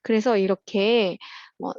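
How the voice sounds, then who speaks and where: A woman teaching at a private academy, patiently walking children through workbook answers in a chatty way, with frequent soft "um" pauses. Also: medium pitch, fairly even intonation, dry recording, lo-fi sound. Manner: patient and chatty, opens steps with "자" and fills pauses with "어".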